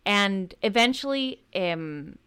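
A woman's voice: medium pitch, lively intonation, takes it slowly, clear, resonant tone, no echo. A young woman from Denmark with a Danish accent, chatting as a podcast guest and telling her story with lots of fillers. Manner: warm, effusive, storytelling with fillers. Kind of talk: casual interview chat.

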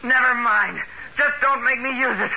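A man's voice: extremely high pitch, normal speed, vocal fry. An actor playing a desperate young man on the run in a 1940s radio crime drama. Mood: desperate, threatening. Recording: noisy, muffled old radio recording with clicks.

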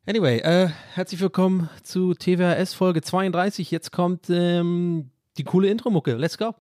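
A man's voice: high-pitched, normal speed. A man hosting a casual solo podcast from a hotel room, recording into his phone and rambling through tangents while poking fun at himself. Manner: rambling, self-mocking, jumps between tangents. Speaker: podcast host. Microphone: phone microphone.

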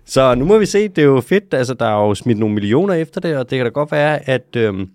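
A man's voice: mid-range voice, sing-song, a little mellow, no room sound, studio quality. A man co-hosting a casual animal podcast, explaining facts in a loose, joking way with some swearing. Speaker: podcast co-host. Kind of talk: casual chat about animals.

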